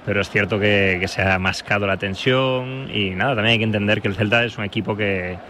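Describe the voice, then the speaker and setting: A man's voice: lowish voice, fairly even intonation, fairly quick, bright, forceful tone, slight background noise. A man giving spontaneous football analysis on the radio, feeling his way through his opinions. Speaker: football pundit.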